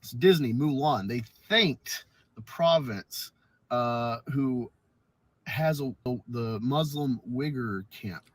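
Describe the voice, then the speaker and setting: Male online debater, medium pitch, assertive and discursive, speaking off the cuff. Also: slow, dry recording.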